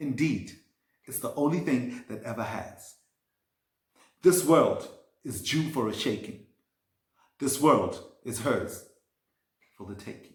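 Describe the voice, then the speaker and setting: A man speaks fairly slowly and somewhat breathily, with lively intonation and long, frequent pauses. Room echo is audible. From Eswatini. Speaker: spoken word artist. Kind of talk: spoken word performance.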